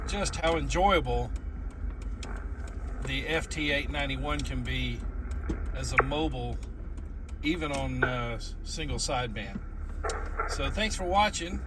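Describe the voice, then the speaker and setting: A man's voice: mid-range voice, animated, measured pace, long pauses. A man giving a casual demonstration as an amateur radio vlogger, speaking inside a moving truck with radio chatter around him. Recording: noisy vehicle cabin, mic at a distance. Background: road noise and radio chatter.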